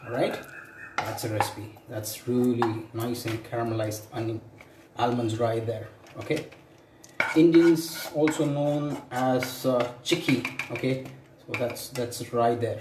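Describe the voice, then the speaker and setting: Medium-pitched male speech at a fairly slow pace, fairly even in intonation, with long, frequent pauses, noticeable background noise and audible room echo. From India, Mumbai. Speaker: chef. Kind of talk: cooking demonstration. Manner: speaking louder after remark.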